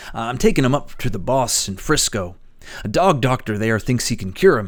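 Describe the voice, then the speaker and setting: A man's put-on character voice, rumbling and gruff, at medium pitch with lively intonation and a moderate pace. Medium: read story. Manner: gruff, grumbling.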